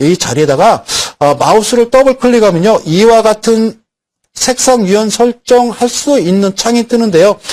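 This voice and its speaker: A man's high voice with lively intonation, a fairly slow pace and very even loudness. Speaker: stock trading lecturer. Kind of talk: lecture. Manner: animated.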